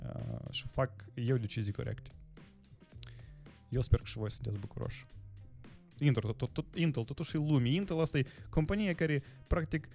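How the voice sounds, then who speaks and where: Chatty man on a tech podcast. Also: medium pitch. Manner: animated, hesitant with many fillers and restarts. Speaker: podcast co-host. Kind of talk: casual tech podcast chat.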